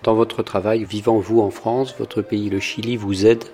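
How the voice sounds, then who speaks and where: A man's voice: on the low side, flat delivery, moderate pace, warm tone, soft background music. A man interviewing guests for a radio documentary, asking long, winding questions.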